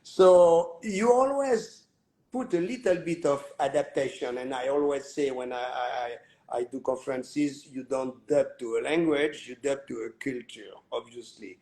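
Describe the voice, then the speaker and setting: A man hosting a live online interview, talking in a halting way with many fillers and restarts. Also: mid-range voice, warm tone. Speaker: host.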